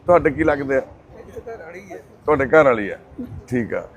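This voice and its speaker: A man working as a charity volunteer host, talking gently with a family and soothing them with soft repeated words. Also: medium pitch, lively intonation, normal speed, vocal fry. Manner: coaxing, soothing, repeats himself softly. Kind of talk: gentle on-site conversation.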